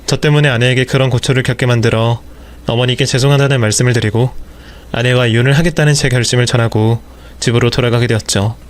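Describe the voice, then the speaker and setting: A man narrating a story in the first person with plain, measured retelling. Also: medium pitch, steady tone.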